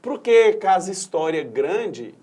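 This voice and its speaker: A curious little country boy, as a male teacher reads him aloud asks his mother questions from a comic strip, his voice lifting high on each one. The lines come in a plain classroom read-through, with only a light touch of character. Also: sing-song, takes it slowly, mellow, exaggerated voice.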